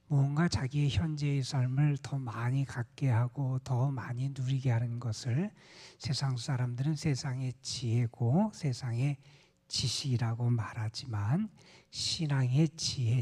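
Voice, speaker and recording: A male pastor preaching a dawn prayer sermon in a soft, often half-whispered delivery, recorded in a church sanctuary. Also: medium pitch, slightly rough. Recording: long church reverb.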